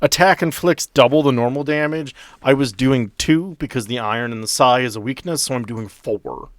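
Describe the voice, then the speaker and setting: A man at a tabletop game talks through his character's moves in a blunt, casual way and swears freely. His voice sits at a middle pitch, with a dry, close sound. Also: normal speed, dry recording.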